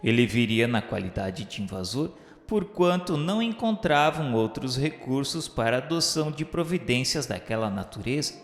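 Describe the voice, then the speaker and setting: A man's voice: medium pitch, animated. Echoey Brazilian male narrator, solemn delivery. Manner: solemn, formal, measured. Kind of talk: scripted narration of a religious radio novela. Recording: echoey reverberant voice over music. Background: music bed.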